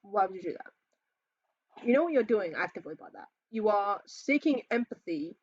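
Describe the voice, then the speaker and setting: A reaction video host, an Australian trans man, has a high, feminine-sounding, expressive voice with a breathy edge, at a moderate pace, and the recording has its highs cut off. He rants casually while reacting to memes, swearing freely and rambling between laughs and sighs.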